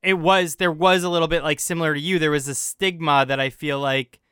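A man's voice: fairly high pitch, fairly even intonation, brisk, bright, forceful tone, clean tone, no room sound, studio quality. A man talking in a casual, reflective way, using lots of "like" as fillers. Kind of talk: casual conversation.

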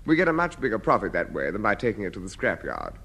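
A man's voice: fairly low pitch, wildly swooping pitch, fast, creaky, pushed and bright, a little hiss or hum, exaggerated voice. An actor playing a sly, wheedling male junk dealer in a 1950s radio comedy, with a salesman's patter.

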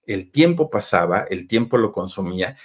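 A man's voice: fairly low pitch, lively intonation, moderate pace. A man with a Mexican accent telling a gossip story in a chatty way, talking straight to his listeners. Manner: chatty, addresses listeners directly, many fillers. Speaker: storytelling host.

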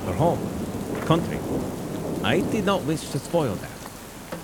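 An actor playing an aging, dutiful Swiss harbor pilot with a Swiss German accent, speaking halting English with German slips. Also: male voice, fairly high pitch, big pitch swings, very noisy. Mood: reflective. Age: older. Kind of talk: radio drama acting.

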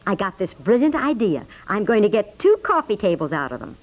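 A woman's voice: mid-range voice, very animated, a little fast, close to an everyday voice, rough recording. A woman playing a breezy, thrifty, self-satisfied neighbor lady, gushing and emphatic in an American accent, in 1950s radio comedy style. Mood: gushing, pleased. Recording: vintage 1950s radio broadcast.

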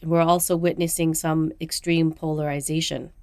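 Low-voiced calm woman host. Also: moderate pace, smooth, no room sound, studio quality. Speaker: radio host. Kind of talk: scripted introduction and interview.

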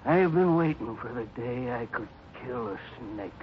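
A man playing a brooding, menacing cowhand with a deliberate, cryptic manner in a 1950s radio western. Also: medium pitch, lively intonation, natural voice. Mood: ominous. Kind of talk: 1950s radio drama acting. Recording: dull, faintly noisy 1950s radio recording.

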